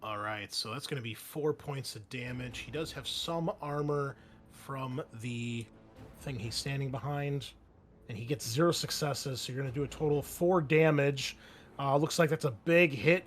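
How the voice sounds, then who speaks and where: A man narrating a tabletop roleplaying game as game master, casually explaining the action and checking in with players. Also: mid-range voice.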